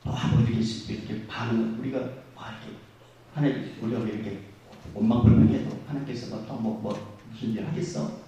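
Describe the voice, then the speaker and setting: A man's voice: lowish voice, fairly even intonation, fairly quick, a little hiss or hum. Echoey, emphatic preaching man. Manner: emphatic, swings between loud exhortation and quiet asides; acts out quoted voices of grumbling people. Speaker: senior pastor. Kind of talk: Sunday sermon. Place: large church sanctuary. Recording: very echoey sanctuary, voice from far off.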